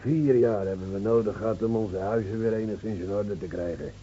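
An actor playing a bitter mountain winegrower in a radio play, grumbling and complaining. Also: male voice, lowish voice, a little fast, dark tone, lightly acted. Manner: grumbling, embittered. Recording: muffled, noisy old radio recording with hum.

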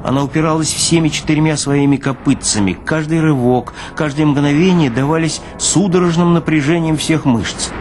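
A man reading literary prose as a narrator, with expressive, deliberate phrasing. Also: fairly high pitch, a little hiss or hum.

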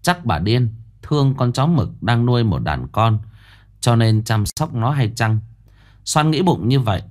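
A man narrating a ghost story in an expressive storytelling manner. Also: mid-range voice, measured pace.

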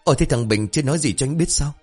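A man's voice: medium pitch, quick pace, darkish tone, breathy edge, faint music behind, voice pushed up, natural voice. A man voicing an anxious young male cousin who speaks urgently. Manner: urgent, nervous.

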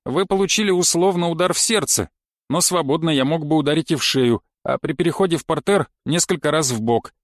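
A man's voice: on the high side, a little fast, dry recording, studio quality, lightly acted. A man voicing a pedantic male knife-fighting coach who lectures dryly and thoroughly in an audiobook. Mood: lecturing. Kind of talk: audiobook character reading.

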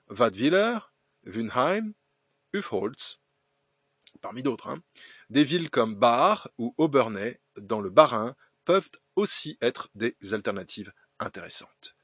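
A man's voice: medium pitch, fairly bright tone, slightly rough, no echo, studio quality. A man hosting a podcast, reading listener letters aloud with hesitant fillers, restarts and ironic asides. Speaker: podcast host.

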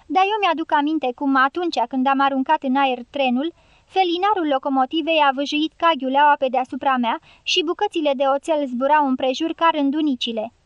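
A woman's voice: high-pitched, dry recording, lo-fi sound, close to an everyday voice. A woman voicing a nervous, talkative male gypsy fighter in an audiobook, slightly raised. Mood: anxious. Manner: anxious, rambling. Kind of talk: audiobook character reading.

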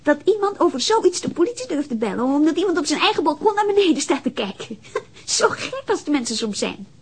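An actress playing a chatty, inquisitive teenage daughter in a naturalistic radio drama. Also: female voice, high voice, sing-song, brisk, darkish tone. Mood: curious, animated.

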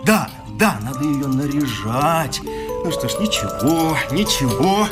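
An actor playing an anguished, idealistic young husband in a radio drama, impassioned and pleading, stammering and repeating himself. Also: male voice, fairly high pitch, sing-song, a little slow. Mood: bitterly resigned. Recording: studio radio play with loud music. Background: music.

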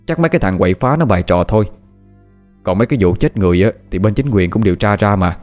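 A young man speaks in a low, easy tone to calm someone, as a male narrator voices him. Faint music runs beneath. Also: fast, lightly acted. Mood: reassuring.

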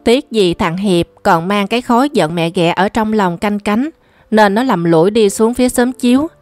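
A woman reading a novel aloud as an audiobook narrator, steady and even. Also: medium pitch, moderate pace. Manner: steady storytelling delivery. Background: faint music.

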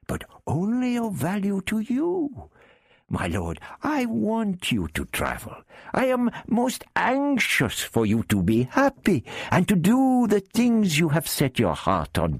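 A man voicing a wily, overly polite male thief who fawns and keeps flattering his captive. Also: high-pitched, slow, creaky, slightly rough, dry recording, clean studio sound, pitched above the performer's own voice, heavily acted. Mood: wheedling. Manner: fawning, keeps saying my lord.

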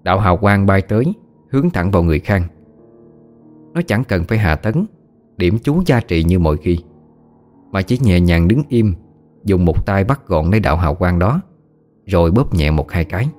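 A man narrating a story in a measured, steady storytelling manner. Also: deep voice, faint music behind.

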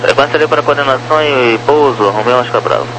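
A man's voice: mid-range voice, fast. A Brazilian man giving procedural, number-heavy instructions as an air traffic controller over the radio. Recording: noisy humming radio channel.

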